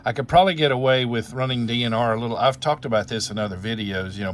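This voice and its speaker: A low-pitched male voice in casual amateur radio chat. He explains technical settings as a host would, rambling a little and working things out aloud as he talks. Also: a bit bright.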